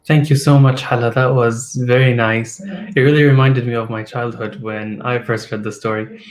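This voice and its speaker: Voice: mid-range voice, fairly even intonation, moderate pace. A host chatting casually and conversationally with a guest. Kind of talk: casual chat.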